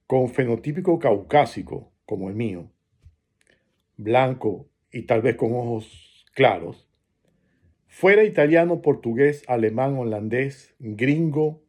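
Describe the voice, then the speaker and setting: A man from Venezuela with a Venezuelan Spanish accent, giving a reflective spoken essay and pausing often between phrases. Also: mid-range voice, darkish tone, slightly rough.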